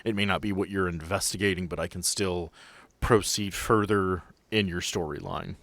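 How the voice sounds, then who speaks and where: A man with a low voice runs a tabletop game as game master. He improvises scenes and rulings in a narrating style, recorded close and dry. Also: steady tone, normal speed, vocal fry, a bit bright, no room sound.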